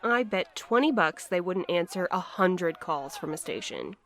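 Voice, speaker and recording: A woman's voice: lowish voice, animated, a little slow, fairly bright tone. A woman playing an earnest, hopeful courier in an audio drama, polite and inquisitive. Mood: concerned.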